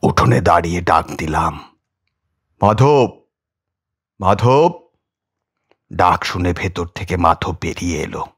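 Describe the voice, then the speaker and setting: Low-voiced man narrating a horror story. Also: little pitch movement, normal speed, a bit bright, slightly rough. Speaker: audiobook narrator.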